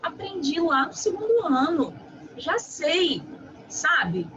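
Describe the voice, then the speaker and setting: A woman's voice: very high voice, takes it slowly, voice pushed up, full character voice. A teacher doing a bored know-it-all student girl. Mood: weary. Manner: weary, dismissive complaining. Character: bored female student who knows it all. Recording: muffled with steady background noise.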